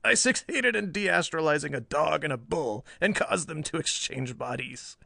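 A man's voice: fairly high pitch, lively intonation, moderate pace, creaky, bright, forceful tone, no echo, full character voice. Mad old scientist villain, played by a male narrator: sullen, sly, theatrical snarl, pulp audiobook, dry close sound. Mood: sullen, boastful. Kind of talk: dramatized pulp story reading.

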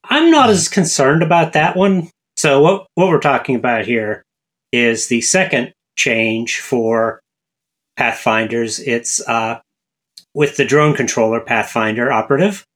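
A man's voice: medium pitch, unhurried, fairly bright tone. A man co-hosting a casual gaming podcast, explaining rules. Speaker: podcast co-host.

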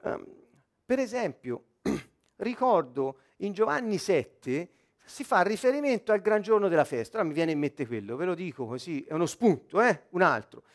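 A man delivering a sermon with a fairly high voice that leaps up and down in pitch. He rises loud and slow when quoting scripture, then drops low and quiet to explain. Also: very animated. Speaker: preacher.

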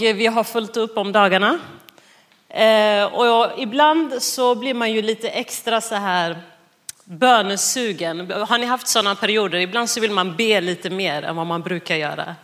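A woman's voice: medium pitch, fairly bright tone. A woman in her thirties gives a guest sermon, opening with a self-mocking family story. She laughs often and acts out both sides of the conversation, keeping it chatty before turning to scripture. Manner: acts out quoted dialogue. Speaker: guest preacher. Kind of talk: sermon with personal anecdote.

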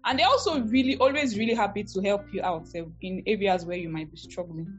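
A woman's voice: mid-range voice, quick pace, dull audio, faint music behind. A woman with a Nigerian accent, a language teacher answering interview questions earnestly with fillers like "as in". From Ebonyi, Nigeria. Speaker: podcast guest, Korean teacher.

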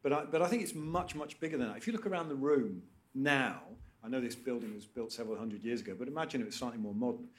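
A man arguing on a debate panel, stressing words with sudden loud bursts. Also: mid-range voice, fast talker, hardly any pauses. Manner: emphatic, swings sharply in loudness for stress. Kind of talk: debate argument.

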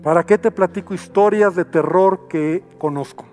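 High-voiced preaching man, animated. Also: normal speed. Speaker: pastor. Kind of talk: sermon.

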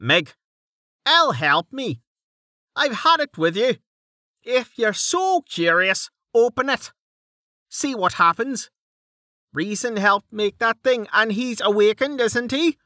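A narrator playing a bickering male guard at the end of his patience, scornful and condescending. The voice sits clearly higher than the narration and swings widely. Close, dry recording. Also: big pitch swings, takes it slowly, fairly bright tone, dry recording. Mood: exasperated. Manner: insulting, exasperated, patronizing.

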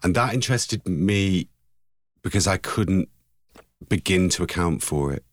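A man in his forties, an artist, talking thoughtfully in an interview, searching for words with pauses and restarts. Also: deep voice, animated, dry recording. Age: 40s. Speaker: artist guest. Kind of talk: reflective interview talk.

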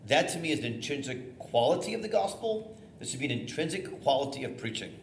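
A middle-aged man, a theater-trained bishop with a loud voice, teaching preachers in a conversational, energetic way with fillers and restarts. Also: on the high side, fast. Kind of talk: informal teaching talk on preaching. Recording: echoey room, faint noise.

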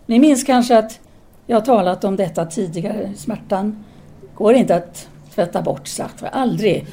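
A woman's voice: mid-range voice, dark tone, slight background noise, lightly acted. An actress playing a candid, brooding intellectual Parisian woman in an audio drama, speaking formal dialogue in an earnest, articulate way. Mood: wounded, confiding.

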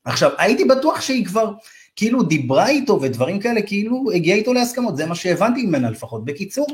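Animated man telling a story, high voice. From Ethiopian community in Israel. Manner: animated, acts out quoted dialogue in raised voices; loose, slangy, addresses listener as bro. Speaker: real estate investment advisor. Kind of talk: casual storytelling in a podcast interview.

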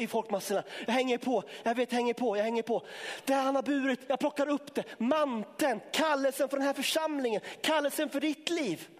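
Impassioned high-voiced male preacher. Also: long reverb tail. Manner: impassioned, builds to shouting then drops low. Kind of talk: sermon. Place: church sanctuary.

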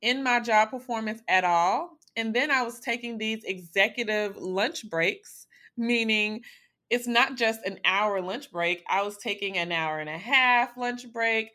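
A woman's voice: fairly high pitch, unhurried, pushed and bright. A young woman telling a candid, self-deprecating story about her own life in a conversational way.

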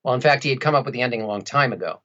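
A man's voice: mid-range voice, lively intonation, racing, bright, forceful tone, highs cut off. A man speaking as an interview guest, telling detailed, wry stories in a casual conversational way. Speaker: interview guest, audiobook narrator and radio play performer.

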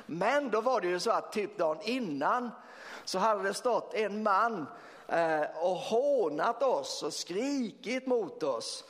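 A man preaching as pastor, telling a story in a lively way with fillers and laughter. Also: sits high. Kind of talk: sermon storytelling. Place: church hall. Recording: long church reverb.

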